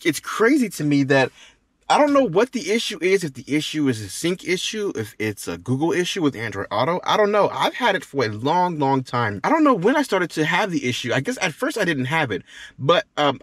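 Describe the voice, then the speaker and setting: Animated man giving a tech how-to. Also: mid-range voice, no echo, studio quality. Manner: repeats phrases for emphasis. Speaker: tech tutorial host. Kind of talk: casual how-to demonstration talk. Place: inside a car.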